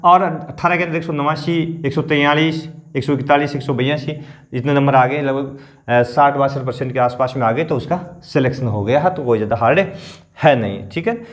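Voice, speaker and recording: Guy with teaching exam stuff, throat kinda sore, bit higher voice, keeps checking "theek hai na". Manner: explains slowly, repeats figures, keeps asking "theek hai na". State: sore throat, clears throat often. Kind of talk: explanatory coaching lesson.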